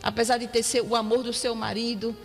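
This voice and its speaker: A Brazilian woman delivers a sermon in a reflective tone, repeating her points for emphasis. Her voice sits a little high and carries a long reverb through the church hall. Soft music plays faintly underneath. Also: flat delivery, fairly quick. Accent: Brazilian Portuguese. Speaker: preacher.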